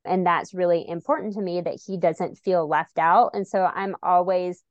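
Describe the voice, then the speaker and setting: A woman guest talking casually and chattily, with frequent "like" and "you know". Her voice sits a little low, and the recording is dry and close. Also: steady tone, normal speed, dry recording, dull audio. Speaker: guest parent. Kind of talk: casual conversation.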